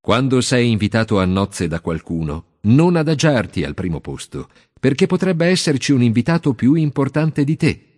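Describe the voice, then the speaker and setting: Jesus as a steady solemn teacher, read by a man, voice rising and falling a lot, long echo hanging after. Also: medium pitch. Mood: solemn teaching. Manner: measured, solemn teaching cadence. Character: Jesus, grown man teaching with calm authority. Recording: long hall reverb.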